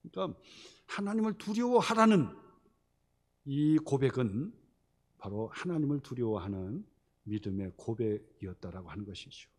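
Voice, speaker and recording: A man's voice: medium pitch, sing-song, moderate pace. A male pastor preaching a Sunday sermon. He keeps repeating phrases for emphasis and asks the congregation rhetorical questions.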